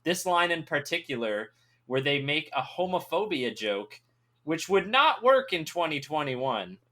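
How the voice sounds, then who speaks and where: A man's voice: fairly high pitch, unhurried. A man co-hosting a podcast, chatting casually and ranting with mocking asides. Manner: animated, mocking, puts on voices in quotes. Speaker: podcast co-host. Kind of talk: casual chat.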